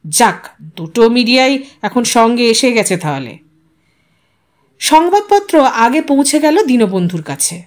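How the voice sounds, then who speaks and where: A woman reading a story aloud as a scripted audiobook narration. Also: fairly high pitch.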